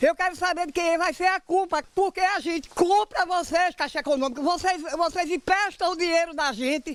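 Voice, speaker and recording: At a moderate pace, a man speaks with extremely high pitch and fairly even intonation. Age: 70s. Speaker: elderly condominium resident. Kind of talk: news interview complaint.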